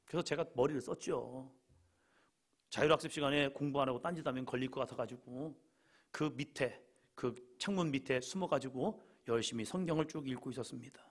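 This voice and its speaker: A male pastor preaching a Friday evening sermon, telling stories and acting out quoted lines, sometimes shouting and sometimes dropping to a quiet aside. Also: mid-range voice, fairly quick.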